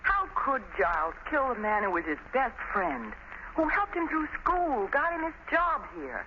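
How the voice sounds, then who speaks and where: Lively 1930s radio lady sidekick. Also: high-pitched, normal speed. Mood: concerned. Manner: animated, playful, expressive. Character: smart, teasing young society woman sidekick. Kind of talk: 1930s radio drama acting. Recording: muffled, noisy 1930s radio recording.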